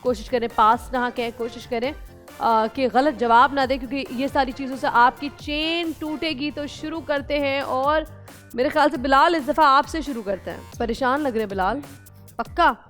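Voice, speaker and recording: A woman hosting a television quiz show in a studio, explaining the rules in a clear, measured, formal way and asking contestants questions. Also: sits high, a bit bright, soft background music. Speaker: game show host.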